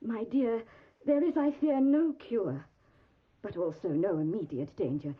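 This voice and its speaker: An actress playing a middle-aged, genteel Victorian mother in an audio drama, husky, fretful and confiding in a halting, fussy way. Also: medium pitch. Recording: narrow phone-like audio.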